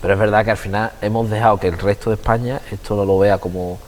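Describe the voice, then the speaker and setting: A man with an Andalusian accent hosting a local TV chat, talking in a lively way and laughing often. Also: fairly low pitch, quick pace. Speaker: host.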